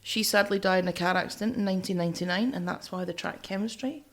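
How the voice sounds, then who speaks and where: A Scottish woman co-hosts a podcast, talking fast in a mid-range voice as she discusses music casually from her notes. Her manner is chatty and teasing.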